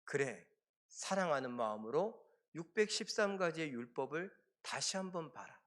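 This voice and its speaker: A male pastor voicing a gentle, loving teacher who speaks in a soft, patient, coaxing way within his sermon. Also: on the high side, animated, moderate pace. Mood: tender.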